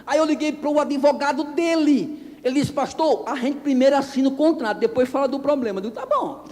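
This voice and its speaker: High-voiced preacher in an echoing hall. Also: male voice, brisk, slight background noise. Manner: animated, acts out dialogue, bursts into shouts. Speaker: pastor. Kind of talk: storytelling sermon. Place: church anniversary service. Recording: long reverb of a church hall.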